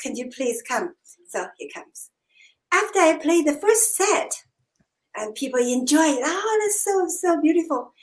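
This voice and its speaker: A woman at a fairly slow pace, her pitch swinging very widely. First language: not English. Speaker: musician, accordion player. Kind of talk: storytelling in casual chat. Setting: video call.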